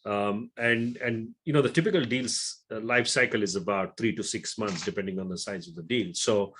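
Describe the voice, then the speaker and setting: A man answering as a company executive on an earnings call, haltingly and rephrasing as he goes. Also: fairly low pitch, fairly bright tone, a little hiss or hum.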